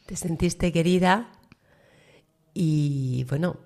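Woman interviewer, deep dark voice, soft and hesitant questions. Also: slow pace.

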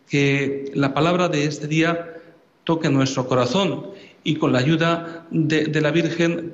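A man, a Catholic priest, delivering a homily and prayers solemnly and deliberately in a church. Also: fairly high pitch. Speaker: Catholic priest celebrating Mass. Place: large echoing church interior. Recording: echoey church, muffled, noisy.

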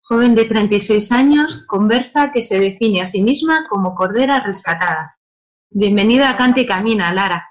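Gentle radio hostess. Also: female voice, mid-range voice, moderate pace, poor audio. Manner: gentle, prompting questions. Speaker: radio host. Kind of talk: radio interview.

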